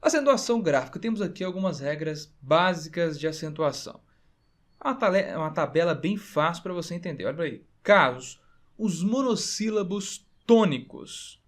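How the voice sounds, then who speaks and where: A man teaching grammar rules over slides, slow and deliberate, stressing key words and repeating word endings. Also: fairly high pitch, very animated, a bit bright. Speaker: Portuguese teacher.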